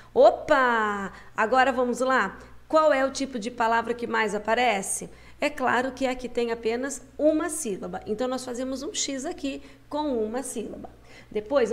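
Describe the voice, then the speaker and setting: A woman teacher with a fairly high voice guides young pupils through a schoolbook lesson. She is patient and coaxing, slowing down to sound out syllables.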